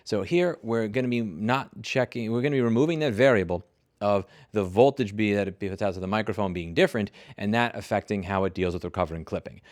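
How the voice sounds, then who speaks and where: A man with an American accent testing microphones, talking bluntly with swearing, his voice going hoarse from yelling. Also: on the low side, fast, dry recording, studio quality. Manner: blunt, profane, swings into shouted test phrases. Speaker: host. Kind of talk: opinionated gear review and mic test. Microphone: close mic, about a fist from the mouth.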